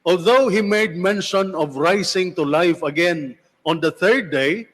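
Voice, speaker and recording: A priest reading the gospel and preaching in a measured, solemn way, with cathedral echo around his voice. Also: high voice, a bit bright. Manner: measured, solemn delivery with repeated phrases. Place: church. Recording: long church reverb.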